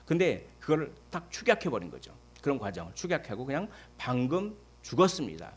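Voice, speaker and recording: A man preaching a Sunday sermon as pastor, swinging from loud calls to soft asides. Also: mid-range voice, wildly swooping pitch, brisk, husky. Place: church sanctuary.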